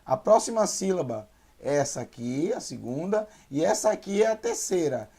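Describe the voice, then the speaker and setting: A man with a Brazilian Portuguese accent teaching beginner Hebrew, sounding out syllables slowly and repeating each word. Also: on the high side, very animated, dark tone, breathy edge. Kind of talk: slow beginner language lesson.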